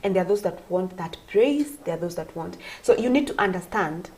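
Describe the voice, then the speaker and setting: A woman's voice: lowish voice, animated, a little fast, a little mellow, a little hiss or hum. A woman from Kenya, a gospel singer and vocal coach, giving earnest, explanatory interview answers and repeating phrases for emphasis.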